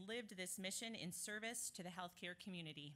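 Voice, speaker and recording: At a very fast pace, a woman talks in a bright, sharp tone with ordinary pitch variation. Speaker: college advancement staff. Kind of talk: speaker introduction. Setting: stage with audience. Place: hall. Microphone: podium.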